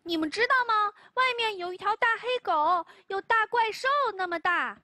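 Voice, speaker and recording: A woman's voice: very high voice, moderate pace, sharp tone, dry recording, studio quality, pitched above the performer's own voice. A woman doing an urgent scared little boy. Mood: alarmed. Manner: breathless, urgent.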